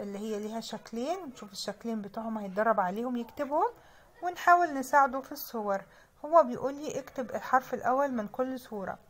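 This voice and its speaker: Patient woman teacher sounding out letters. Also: a little high. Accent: Egyptian Arabic. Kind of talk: children's reading lesson.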